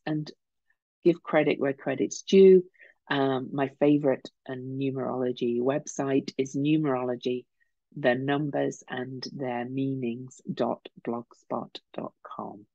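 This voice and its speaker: Woman in her 50s, gravelly croaky voice, mellow, chatting thru an astrology podcast from home, bit muffled. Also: very deep voice, no room sound. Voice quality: slightly croaky throat. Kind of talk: informal explanatory astrology podcast talk. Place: small home room, indoors.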